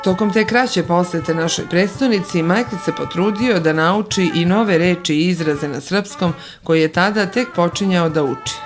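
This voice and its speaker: A woman narrating a documentary in a measured, scripted delivery. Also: on the low side. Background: music.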